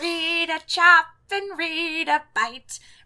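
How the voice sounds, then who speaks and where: In a put-on character voice at an extremely high pitch, a woman speaks at a very slow pace. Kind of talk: comic overacting. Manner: manic, gleeful, third-person speech.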